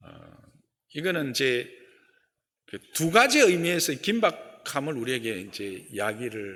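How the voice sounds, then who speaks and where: A man's bright, sharp tone with vocal fry and very wide pitch swings, at a moderate pace on a very clean recording with a silent background. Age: 60s. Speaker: pastor. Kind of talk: sermon.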